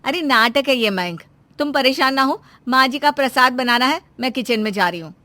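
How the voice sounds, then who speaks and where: A woman's voice: high-pitched, animated, normal speed, sharp tone, no echo. A woman voicing a young wife caught between her husband and her mother in a cartoon story, earnest and pleading.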